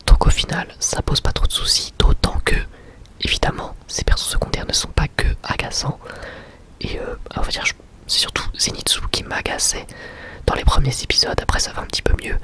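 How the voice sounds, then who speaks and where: Young man, breathy whisper, ASMR review, informal and explanatory. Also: fairly quick, sharp tone. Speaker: ASMR creator and anime reviewer.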